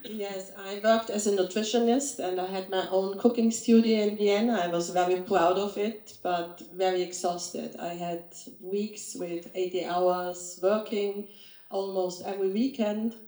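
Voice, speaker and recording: A woman's voice: medium pitch, fairly even intonation, measured pace, warm tone. A woman from Austria speaking earnestly on a live panel, with some non-native slips. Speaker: nutritionist, panelist. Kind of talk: panel talk. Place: live event stage. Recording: echoey event room.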